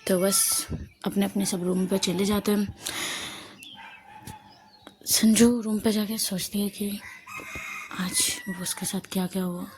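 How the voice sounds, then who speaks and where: Soft-spoken woman telling a story. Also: medium pitch, huge pitch swings, takes it slowly, pauses often, slight background noise. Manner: soft-spoken, often drops to a whisper.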